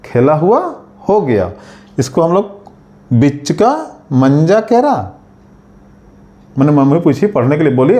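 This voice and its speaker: A man teaching a spoken language lesson, saying each phrase slowly and carefully and repeating it for learners. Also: fairly high pitch, mellow.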